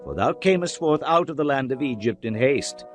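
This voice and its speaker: Male narrator for a dramatized Bible reading, mid-pitched, solemn and measured, music under the voice. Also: expressive. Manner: solemn, measured recitation of archaic scripture. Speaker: scripture narrator. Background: background music.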